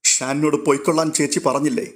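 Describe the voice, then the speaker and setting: A man's voice: fairly high pitch, steady tone, fast, lightly acted. Male reader as a young woman on the edge of tears, pleading. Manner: pleading and tearful. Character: tearful young woman torn over her lover.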